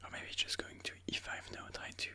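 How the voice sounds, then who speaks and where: A person gives ASMR-style breathy whispered commentary on their own chess game, musing through it move by move. The delivery is fairly quick, with a bright, forceful tone.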